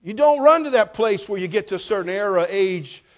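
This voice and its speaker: A middle-aged man preaching a sermon as pastor, folksy and joking, building up to shouted passages. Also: high voice, animated, brisk.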